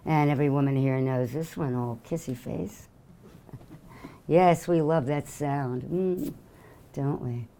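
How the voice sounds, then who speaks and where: Low, mellow older New York woman. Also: slow pace, a little hiss or hum. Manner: offhand, joking, many fillers. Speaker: guest speaker. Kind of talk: casual lecture talk.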